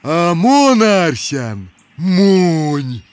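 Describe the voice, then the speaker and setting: An actor voicing a boastful, hungry male forest spirit monster in a cartoon, with a deliberate way of talking. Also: on the high side, very animated, a little mellow, no room sound, heavily acted. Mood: menacing. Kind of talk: cartoon character acting.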